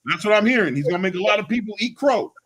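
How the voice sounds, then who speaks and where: A man with a fairly high-pitched voice hosts a casual boxing talk show. He argues his opinions emphatically in loose slang, often repeating words to hammer a point. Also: lively intonation, very fast, fairly bright tone, breathy edge. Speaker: host of a boxing channel.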